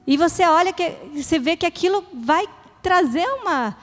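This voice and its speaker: With an extremely high, animated voice at normal speed, a middle-aged female pastor gives an earnest, conversational sermon, acting out short prayers. The recording carries the echo of the church hall where she speaks.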